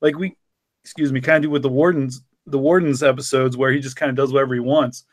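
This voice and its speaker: A man's voice: mid-range voice, fairly even intonation, fast. A man co-hosting a podcast, chatting casually and explaining things in an informal way. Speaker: podcast co-host and show writer. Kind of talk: casual behind-the-scenes chat.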